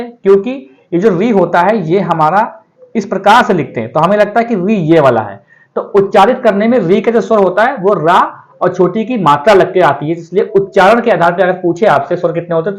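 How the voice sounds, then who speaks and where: Male teacher, high voice, exam-prep lecture, keeps asking the class and answering himself. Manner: asks the class questions and answers them himself, often adds "theek hai". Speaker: Hindi grammar teacher.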